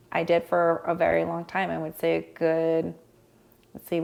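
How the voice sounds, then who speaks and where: A woman's voice: lowish voice, gravelly. A woman speaking candidly and at length in a casual podcast conversation, rambling a little and laughing often.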